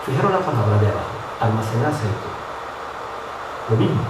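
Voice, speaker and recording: A man's voice: lowish voice, sing-song, a little fast. A man with an Andalusian accent gives an informal talk to an audience in a room, asking rhetorical questions and acting out little dialogues. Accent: Andalusian Spanish. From Andalusia, Spain. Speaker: public speaker. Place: room in a public building. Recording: distant mic, echoey room, loud background noise.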